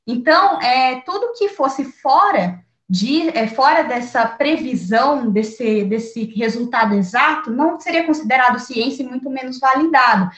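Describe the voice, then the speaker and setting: High-voiced woman explaining, roomy dull sound. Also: lively intonation, moderate pace, hardly any pauses, fairly bright tone. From Brazil. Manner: thoughtful, many fillers and restarts. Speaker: teacher and researcher, guest. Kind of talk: conversational interview.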